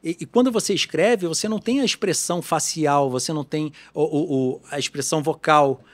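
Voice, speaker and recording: A man talks as a podcast guest in a somewhat high register. He is animated and talkative, often breaking off and restarting his sentences. He speaks as an easygoing, expert shop owner. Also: fairly quick. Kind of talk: casual podcast conversation.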